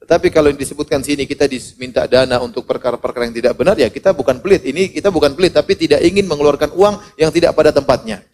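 A middle-aged man preaching a sermon, animated, acting out the people he quotes and swinging between loud and soft. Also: on the high side, rapid-fire, hardly any pauses, a little hiss or hum. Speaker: Islamic preacher. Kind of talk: sermon to a congregation.

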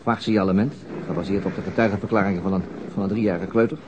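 A noisy old radio drama recording of an actor as a male police detective with a fairly low voice. He is weary and cynical, speaking with a dry, sarcastic gloom. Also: steady tone, racing, highs cut off, lightly acted. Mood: grim, cynical. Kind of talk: naturalistic radio drama acting.

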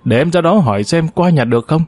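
A man voicing a calm, quick-witted male driver in an audiobook. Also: a little high, dry recording, voice pushed up. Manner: calm, level-headed. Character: calm, clever male driver, young adult.

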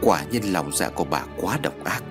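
A man's voice: deep voice, lively intonation, normal speed, music in the background, pitched below the performer's own voice. A man voicing a grave older village man who speaks in a stern, accusing way.

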